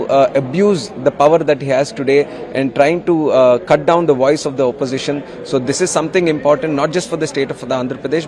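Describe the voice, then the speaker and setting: A man's voice: fairly high pitch, a little mellow. A man with an Indian accent making a political statement to the media as an opposition politician.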